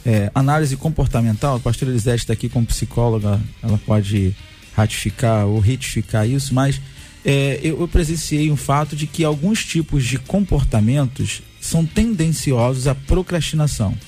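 A man, a pastor, speaking as a guest on a radio talk show, measured and thinking aloud. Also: medium pitch, mellow, soft background music. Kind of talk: studio discussion.

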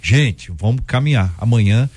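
A Brazilian man hosting a radio debate show, joking and teasing his guests in a lively, chatty way. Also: mid-range voice, normal speed, breathy edge, dry recording. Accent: Brazilian Portuguese. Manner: jokey, teasing, talks over guests.

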